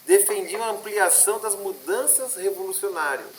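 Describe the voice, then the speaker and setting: A man's voice: high voice, normal speed, roomy sound. A Brazilian man with a Brazilian Portuguese accent, a history teacher giving an online class in an explanatory way, with many fillers and tag questions. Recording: noisy online class audio with clicks.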